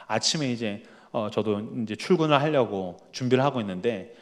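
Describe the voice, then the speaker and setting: A man, a pastor, preaching at an evening church prayer meeting, telling a family story in a lively, animated way and acting out the people in it. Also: on the low side, fairly quick, in a large hall. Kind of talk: sermon storytelling.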